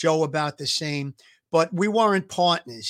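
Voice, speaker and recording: Heard on a very clean recording with a silent background, an ordinary speaking voice with an American accent moves at a moderate pace. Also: man. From Brooklyn, New York. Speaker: co-host, retired police officer.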